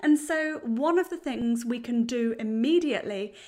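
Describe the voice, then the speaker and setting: A woman with a British accent speaks at a fairly slow pace in a high voice with a dark, mellow tone and ordinary pitch variation. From Britain. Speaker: podcast host, brand messaging coach and copywriter. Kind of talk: solo podcast tutorial.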